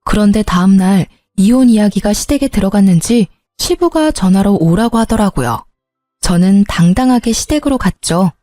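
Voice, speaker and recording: A woman narrating a story in a calm, even storytelling voice. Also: medium pitch, moderate pace, dry recording, soft background music. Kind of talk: scripted narration.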